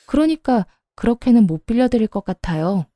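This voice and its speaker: A woman's voice: on the high side, animated, fairly quick, warm tone. A woman narrating a first-person radio story as a daughter-in-law, in an exasperated, matter-of-fact way. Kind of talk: Korean radio story reading.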